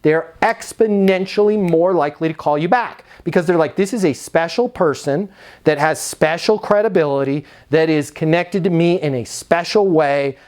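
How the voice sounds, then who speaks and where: American sales coach, slightly high-voiced man. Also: moderate pace, darkish tone. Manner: conversational, instructive, slipping into role-play dialogue. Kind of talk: coaching talk with acted-out example sales calls.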